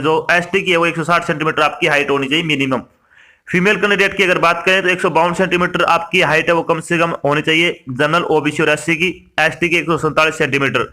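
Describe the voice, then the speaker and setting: A man's voice: fairly high pitch, pushed and bright. A man from India giving an instructional explainer, reading out lists and addressing listeners directly. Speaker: exam information presenter.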